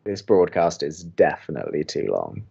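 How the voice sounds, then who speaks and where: A man's voice: a bass voice, huge pitch swings, normal speed, gravelly, warm tone, slightly rough, muffled recording, full character voice. A man playing a wry, sceptical young college radio co-host in an audio comedy, with a dry, teasing delivery. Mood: wry, grumbling. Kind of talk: audio drama romantic comedy dialogue.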